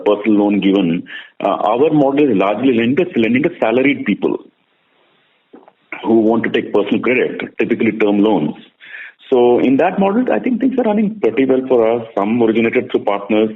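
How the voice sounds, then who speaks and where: A man with an Indian accent answering analysts on an earnings call as a bank executive, talking conversationally and emphatically, often repeating his words. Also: medium pitch. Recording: muffled narrow-band conference call audio.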